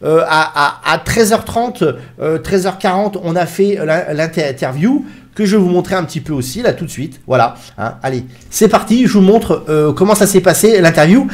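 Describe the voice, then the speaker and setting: A man's voice: high voice, animated, moderate pace, few pauses. A man talking casually to his camera, rambling with many fillers and restarts as he recounts a story. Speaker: YouTuber recounting a TV interview.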